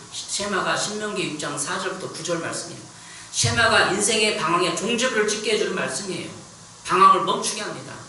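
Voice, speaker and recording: A man's voice: high voice, pushed and bright, recorded from a distance. A male pastor delivering a sermon, preaching emphatically and firing rhetorical questions at his congregation. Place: church sanctuary. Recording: echoey hall, voice from off the mic, faint noise.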